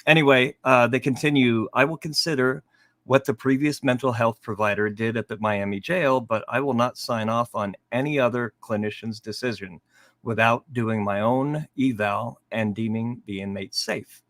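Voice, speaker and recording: A man's voice: medium pitch, fairly even intonation, normal speed, a bit bright, dry recording. A man co-hosting a true crime live show, reading out viewer comments and commenting casually.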